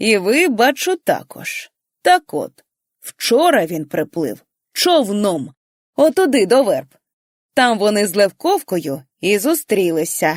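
Putting on a growling character voice, a woman at a medium pitch speaks at a fairly slow pace with very wide pitch swings. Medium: read story. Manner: chatty, good-humoured.

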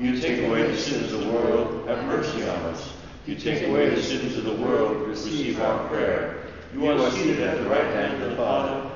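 There is loud background noise and audible room echo as a man speaks. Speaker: priest leading mass. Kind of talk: liturgical prayer. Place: church. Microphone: podium.

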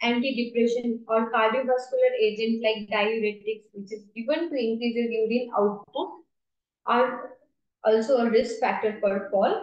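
With audible room echo over a quiet background, a woman talks at a high pitch and a moderate pace with ordinary pitch variation. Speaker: clinic health educator. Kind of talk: lecture. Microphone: webcam.

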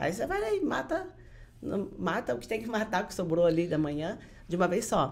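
A woman speaks at a fairly low pitch with lively intonation. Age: 40s. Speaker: sports nutritionist; guest. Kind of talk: casual chat. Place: studio. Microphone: studio mic.

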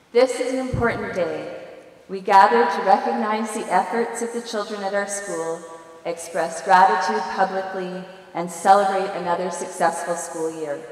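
A woman at a moderate pace, with big swings in loudness, ordinary pitch variation and audible room echo. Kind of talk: ceremonial welcome speech. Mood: warm, formal. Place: hall.

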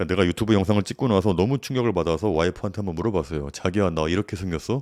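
Speaking in a very deep, low pitch with an animated tone and ordinary pitch variation, a man comes through dry and close with no echo on a very clean recording with a silent background. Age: 40s. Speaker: YouTuber, book reviewer. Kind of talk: monologue, book review.

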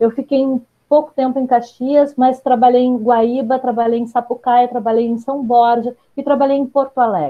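This woman speaks at a moderate pace in a high pitch with monotone, flat intonation. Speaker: public prosecutor. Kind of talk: panel discussion. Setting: video call. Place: home room. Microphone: video call.

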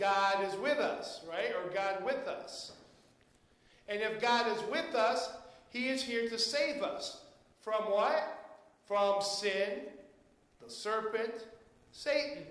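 A man with an extremely high voice, very slow, with long, frequent pauses, ordinary pitch variation and audible room echo. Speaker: preacher. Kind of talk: sermon. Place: church.

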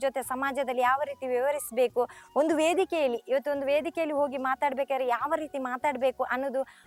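Music plays behind a woman with a high pitch and fairly even intonation. The sound is dry and close with no echo. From Belthangady, coastal Karnataka, India. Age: 30s. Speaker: self-help group leader and jasmine farmer. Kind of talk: testimonial interview. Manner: impassioned.

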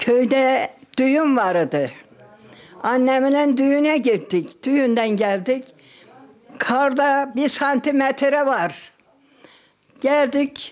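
Her high voice moves at a very slow pace with long, frequent pauses, the woman keeping her loudness very even throughout. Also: ordinary pitch variation. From Erzincan, eastern Turkey. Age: 80s+. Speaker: earthquake survivor. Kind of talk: interview answer. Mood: emotional remembering. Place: home room. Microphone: handheld.

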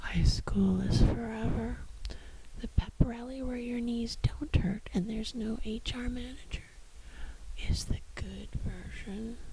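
A soft-spoken woman whispers breathily at a fairly slow pace, with big swings in loudness. The sound is dry with no echo, and background noise is noticeable. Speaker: author reading her own novel chapter, ASMR creator. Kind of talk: ASMR whispered storytime reading of a novel chapter. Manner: whispered, breathy, soft-spoken. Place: home room. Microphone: handheld.

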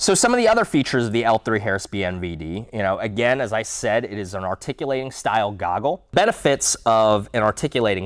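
A man's medium-pitched voice with lively intonation and a fairly quick pace, over a quiet background. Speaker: product presenter. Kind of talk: casual product explainer to camera. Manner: conversational, with frequent fillers. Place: studio. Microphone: lapel.

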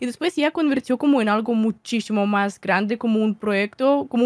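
The speech comes at a fairly quick pace in a Russian accent. The sound is dry with no echo, over a quiet background. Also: woman. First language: Russian (speaking Spanish). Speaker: content creator and streamer; content creator, streamer. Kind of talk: casual interview chat. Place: home room. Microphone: studio mic.

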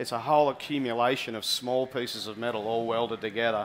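A man's monotone, flat intonation against light background noise. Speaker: metalworker giving a demonstration. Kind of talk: live demonstration talk. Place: hall. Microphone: headset.

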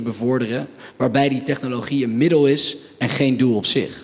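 Fairly even in intonation, a man talks at a fairly quick pace. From Netherlands. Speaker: political party founder. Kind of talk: speech. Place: hall.

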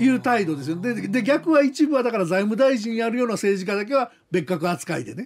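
Fairly quick in pace, a man speaks at a high pitch. His voice moves in very wide pitch swings. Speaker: economic journalist. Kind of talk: radio interview. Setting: radio studio. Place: studio.

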